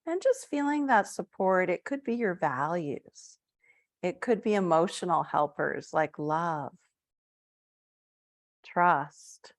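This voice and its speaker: Woman, meditation guide, very slow delivery, soft gentle phrasing, dry close sound. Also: lowish voice, animated, dry recording. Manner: soft, slow guiding with drawn-out phrases and fillers. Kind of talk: live-streamed guided meditation.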